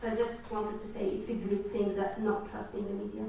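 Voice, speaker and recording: A woman's voice: medium pitch, little pitch movement, a little fast, warm tone, slight background noise. A woman from Tunisia speaking as a panelist, thoughtful and reflective. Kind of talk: panel discussion. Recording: echoey hall, distant mic.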